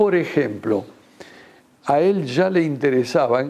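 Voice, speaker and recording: A man talks in a dark, mellow tone, his pitch varying in an ordinary way. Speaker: interviewee, friend of the poet. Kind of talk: interview testimony.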